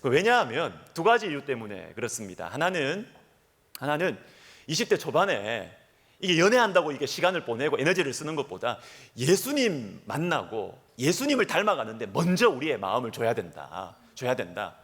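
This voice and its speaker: Middle-aged male pastor, sermon delivery, wide lively pitch, storytelling energy. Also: moderate pace, husky. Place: church sanctuary.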